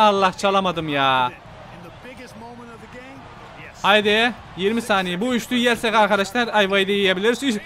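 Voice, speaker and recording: A man giving excited gameplay commentary as a gaming YouTuber, shouting at the players on screen and at his viewers, his voice going hoarse. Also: high-pitched.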